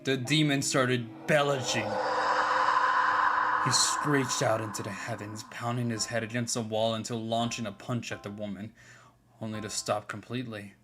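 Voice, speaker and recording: A man slowly reading a dark horror fan story aloud, measured and steady. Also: mid-range voice. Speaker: streamer and artist. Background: guitar music.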